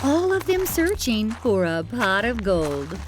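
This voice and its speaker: A woman telling a children's story, gentle and expressive, with startled exclamations. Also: fairly high pitch, slow pace. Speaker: storyteller host. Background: music.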